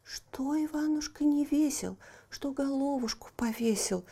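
A woman voicing a kind, wise little humpbacked horse in a storybook tale, gentle, caring and soft. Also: high voice, a little slow, voice pushed up.

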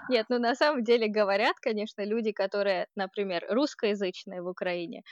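This is a woman with a Ukrainian accent, a guest in a relaxed conversation. She laughs through many of her sentences and keeps a friendly, chatty flow. The sound is dry and a little dull, like a lo-fi recording. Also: mid-range voice, a little fast, no echo. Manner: laughs often while speaking, warm and chatty. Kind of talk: casual conversational interview.

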